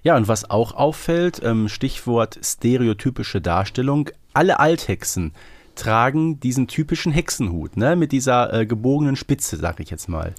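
A man's voice: medium pitch, expressive, moderate pace, dry recording. A man co-hosting a casual podcast, often tacking questioning tags onto his remarks. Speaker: podcast co-host.

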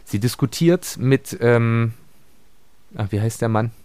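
A man's voice: mid-range voice, slow pace, darkish tone, dry recording. A man in a casual book discussion, arguing his view as a podcast panelist.

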